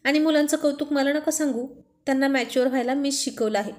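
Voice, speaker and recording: A pouting, childlike young wife, her voice set a little high, as a woman narrator reads her lines. She talks in a coaxing, sulky way, as in a read-aloud love story. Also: quick pace, darkish tone, lightly acted.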